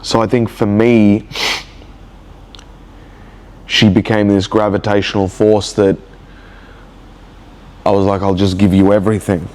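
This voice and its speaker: A man recording a personal video diary, speaking in a slow, halting, reflective way with many restarts. He has a cold, and his nose sounds blocked. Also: lowish voice, little pitch movement, darkish tone. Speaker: vlogger.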